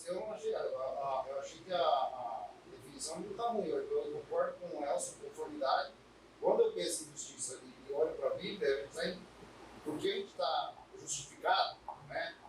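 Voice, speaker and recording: A Brazilian man commenting casually in a class, halting and repeating words, recorded far from the microphone in an echoey, noisy room. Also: fairly high pitch, animated. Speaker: class participant.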